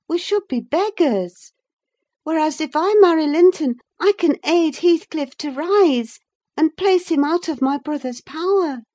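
A woman's voice: high-pitched, dark tone, voice pushed up. A woman reader voicing a passionate, headstrong young woman torn in love, speaking with impassioned fervor. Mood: indignant. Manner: fervent, impassioned declaiming.

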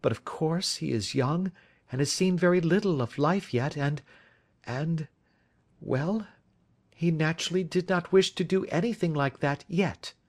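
A man's voice: fairly high pitch, measured pace, voice pushed up. A man reading aloud as an earnest young woman who urgently pleads for a friend. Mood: confiding. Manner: urgent, imploring.

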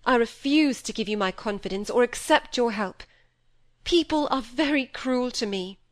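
A woman's voice: a little high, expressive, normal speed, fairly bright tone, pitched above the performer's own voice. A woman voicing a proud, wounded young woman who speaks in a cold, clipped, resolute way.

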